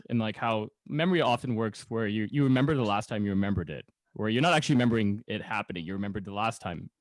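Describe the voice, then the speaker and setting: A man's voice: lowish voice, no room sound. A man hosting a casual interview, rambling a little as he searches for words. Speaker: podcast host.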